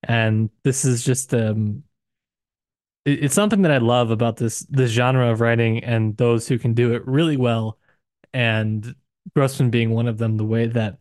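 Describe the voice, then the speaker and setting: A man co-hosting a casual book discussion podcast, hesitant and searching for words, with frequent restarts and sudden rises in pitch. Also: a little slow, no echo, studio quality. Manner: hesitant, many restarts and hedges, animated pitch jumps. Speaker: podcast co-host discussing a novel.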